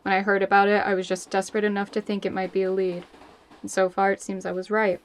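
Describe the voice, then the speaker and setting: A woman's voice: medium pitch, monotone, quick pace, lightly acted. A woman playing a hard-drinking, sardonic spy in an audio drama, blunt and brash, grieving a lost love. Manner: sardonic, blunt, foul-mouthed.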